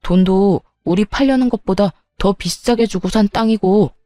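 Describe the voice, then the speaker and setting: A scheming older mother-in-law, put on by a woman narrator, haughty and unhurried in a storybook reading. Her tone is warm and dark, set against faint background music. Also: medium pitch, no echo, close to an everyday voice. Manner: haughty, slow and deliberate.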